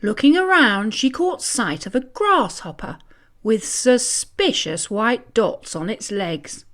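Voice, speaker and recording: Slow, very expressive woman storyteller. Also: a little high. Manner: theatrical, expressive. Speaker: children's story narrator. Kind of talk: scripted storybook narration.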